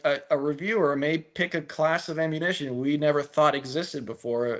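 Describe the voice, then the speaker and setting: A man's voice: mid-range voice, fairly bright tone. A man from a firearms company, answering interview questions at length in a talkative, conversational way with frequent restarts. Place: live stream call.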